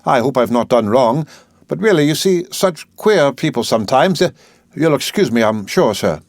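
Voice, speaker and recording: Fussy middle-aged housekeeper, raised pitch, hesitant and respectful, voiced by a man. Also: animated, moderate pace, a little mellow, no room sound, lightly acted. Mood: perplexed. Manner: hesitant, deferential.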